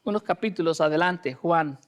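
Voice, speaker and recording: A man preaching a sermon as a pastor. He reads scripture, acts out the people in the story and moves between loud emphasis and hushed lines, with English fillers dropped into his speech. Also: on the high side, moderate pace. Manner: acts out the voices of the people in the text.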